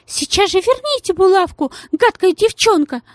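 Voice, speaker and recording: A portly society lady in a storybook, her voice thin and piping, pitched far above the narration and swooping all over as she gushes. Her manner is affected and sugary, with a venomous edge underneath, as a woman narrator puts her on. The sound is close and dry. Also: animated, unhurried, a little mellow, dry recording. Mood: furious hissing. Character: stout genteel lady, shrill, saccharine then venomous.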